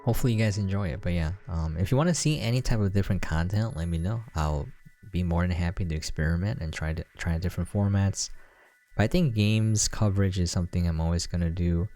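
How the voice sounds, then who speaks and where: Talking fast in a low, warm voice, a male channel host rambles and chats through unscripted gameplay commentary. He reviews video games, and there's music in the background.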